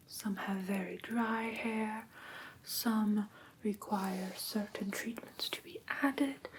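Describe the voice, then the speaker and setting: A woman playing a prim, patient vampire teacher in a whispered ASMR roleplay, speaking softly and breathily with formal, careful instruction. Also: fairly high pitch, a little hiss or hum, rough recording. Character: prim, patient female vampire teacher of human pet care.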